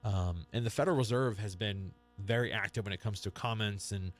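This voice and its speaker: A man's voice: lowish voice, a little fast, soft background music. A man hosting a local radio talk show, chatting casually about politics with many restarts and trailing thoughts.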